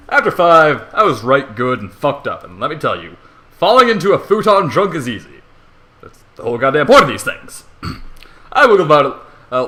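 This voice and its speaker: A man's voice: mid-range voice, sharp tone. A man narrating a comedic story theatrically, with irreverent, sweary asides. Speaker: amateur fan fiction reader.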